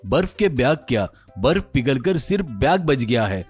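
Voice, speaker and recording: A man's voice: mid-range voice, very animated, normal speed, soft background music, lightly acted. A man voicing a patient, put-upon village cook who talks plainly, in a cartoon story. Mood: exasperated.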